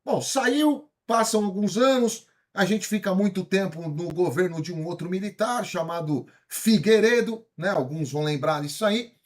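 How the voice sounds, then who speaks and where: A man in his fifties from São Paulo with a paulistano accent, giving an energetic motivational lecture and asking his audience questions. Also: sits high, moderate pace, few pauses. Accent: Paulistano Brazilian Portuguese. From São Paulo, Brazil. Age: 50s. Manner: energetic, asks the audience questions, frequent tag questions. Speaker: speaker.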